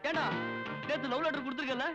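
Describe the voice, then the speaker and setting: A cheeky student sidekick who rattles off jokes quickly in a mid-pitched voice. Loud film music runs under the dialogue. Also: male voice, steady tone, lo-fi sound. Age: young adult. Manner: wisecracking, playful. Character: cheeky young male comic sidekick. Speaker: college student.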